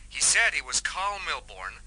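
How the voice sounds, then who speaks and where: Sharp, bright-voiced businesslike associate. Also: male voice, on the high side, big pitch swings, moderate pace, heavily acted, poor audio. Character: businesslike associate reporting to a detective. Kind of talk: radio drama acting.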